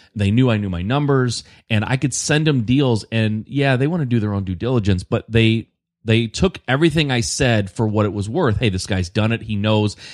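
With an American accent and an ordinary speaking voice, a man talks at a moderate pace and medium pitch, with ordinary pitch variation against a quiet background. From Michigan. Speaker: real estate investor and podcaster. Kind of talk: casual interview chat.

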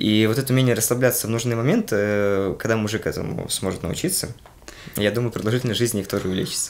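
Very fast speech from a man against noticeable background noise. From Transnistria. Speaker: entrepreneur, athlete and poet. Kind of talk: interview conversation.

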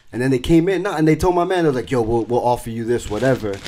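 A man speaks in an animated tone with very wide pitch swings. There is noticeable background noise. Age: 30s. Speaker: podcast co-host. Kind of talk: casual chat.

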